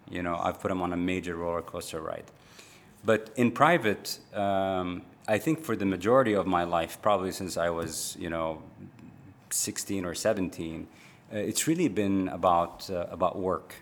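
This man speaks with an American accent at a moderate pace. His pitch is very deep and low, with ordinary variation. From United States. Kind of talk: interview. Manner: halting, many fillers.

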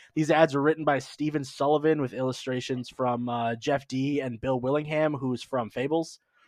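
Fairly even intonation and hardly any pauses over a quiet background. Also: man, fairly high pitch for a man, moderate pace. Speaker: comic book podcast co-host. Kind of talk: casual chat. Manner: loud.

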